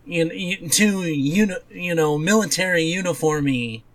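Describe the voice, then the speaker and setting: A man's voice: a little high, unhurried, a bit bright. A man co-hosting a podcast in casual, blunt chat about comics, dismissive and given to offhand swearing. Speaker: podcast co-host.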